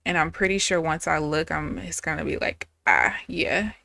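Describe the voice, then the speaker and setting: A woman's voice: low voice, fairly even intonation, moderate pace, vocal fry, sharp tone, dry recording. A woman in her thirties, a day trader chatting candidly and casually with viewers on a live stream. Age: 30s.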